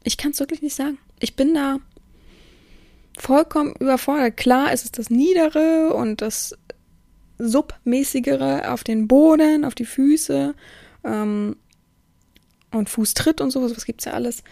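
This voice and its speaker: Outspoken woman podcaster, mellow voice. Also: sits high, measured pace, vocal fry, pauses often, no echo. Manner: rambling, restarts sentences, exclaims "oh"; strict, outspoken. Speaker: podcast host. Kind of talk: casual podcast monologue.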